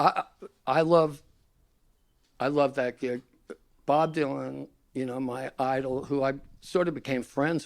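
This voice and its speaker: With a New York accent, a man talks at a fairly slow pace. Long pauses come frequently. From New York (Great Neck, Long Island). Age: 70s. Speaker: musician and songwriter. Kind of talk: casual interview chat.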